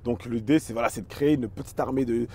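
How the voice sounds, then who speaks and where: Mellow man, searching for words. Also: medium pitch, quick pace, breathy edge. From Paris suburbs, France. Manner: hesitant, repeats words while searching for phrasing. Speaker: interview guest, chess teacher and performer. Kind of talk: casual, reflective interview talk.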